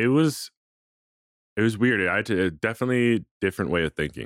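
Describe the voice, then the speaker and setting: A man with a Canadian accent speaks at a very fast pace, his very deep, low voice showing vocal fry and very wide pitch swings. The recording is very clean with a silent background, and the sound is dry and close with no echo. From Canada (Calgary). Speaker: TikTok creator. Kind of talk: casual chat.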